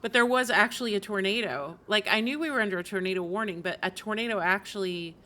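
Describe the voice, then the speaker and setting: A woman with a medium-pitched, bright voice talks quickly and forcefully while live-streaming a video game. She chats informally and rambles as she thinks aloud, with the game's music playing behind her.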